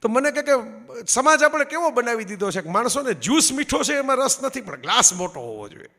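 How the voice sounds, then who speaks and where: A man's voice: extremely high pitch, big pitch swings, fast, bright, forceful tone, in a large hall. A man giving a public speech to an audience, telling anecdotes and checking in with listeners. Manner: storytelling, acts out quoted voices, asks audience "barabar?". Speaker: public speaker. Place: event hall before an audience.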